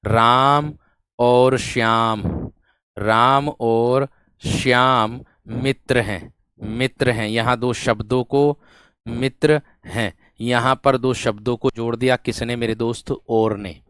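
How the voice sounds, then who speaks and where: A man's voice: medium pitch, steady tone, slow pace, a bit bright, smooth, dry recording. A male teacher with a North Indian Hindi accent giving an exam-prep grammar lesson, repeating each point and checking whether students have understood. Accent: Hindi-speaking North Indian. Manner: calls students friend and brave one.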